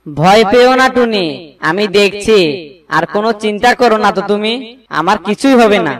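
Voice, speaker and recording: A man's voice: high voice, moderate pace, fairly bright tone, distant mic. A man voicing a worried, caring father bird in a children's cartoon, earnest and plaintive but reassuring.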